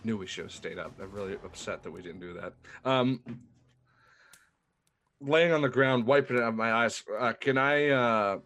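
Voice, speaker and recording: A man's voice: on the low side, moderate pace, fairly bright tone. A man talking casually as a player at a tabletop role-playing game.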